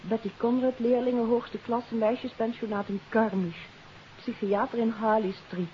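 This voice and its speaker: An actress playing a detective's curious, poised wife in a 1950s radio drama. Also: female voice, on the high side, fairly even intonation, moderate pace, lightly acted. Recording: muffled 1950s radio recording with hiss.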